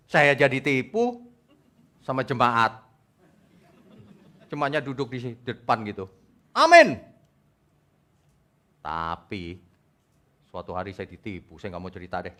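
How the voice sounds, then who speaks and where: A man's voice: lowish voice, a bit bright. A male pastor preaching a sermon to his congregation in church, asking them questions. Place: church service before a congregation.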